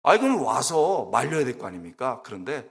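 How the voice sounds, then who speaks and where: Animated middle-aged preacher with a lively voice. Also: male voice, medium pitch, brisk, vocal fry. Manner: animated, exclamatory, acts out the people in his stories. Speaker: guest preacher, preaching professor. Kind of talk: sermon with humorous storytelling. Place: church sanctuary. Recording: long church reverb.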